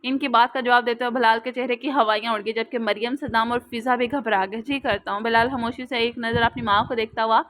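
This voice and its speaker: Woman narrator, novel reading, high voice, dramatic steady storytelling. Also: quick pace, hardly any pauses. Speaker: host, novel reader. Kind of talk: reading a romance novel aloud.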